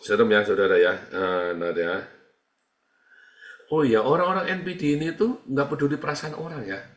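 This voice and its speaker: A man's voice: medium pitch, moderate pace. A man speaking as a pastor, teaching in a casual, conversational way, repeating phrases and acting out quoted dialogue. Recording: roomy echo.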